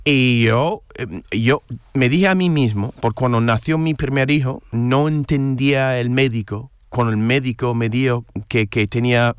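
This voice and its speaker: Foreign-accented man, halting speech. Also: mid-range voice, smooth, no echo, clean studio sound. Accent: foreign, non-native Spanish. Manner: searches for words, many restarts. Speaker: guest, columnist. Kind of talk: casual interview chat.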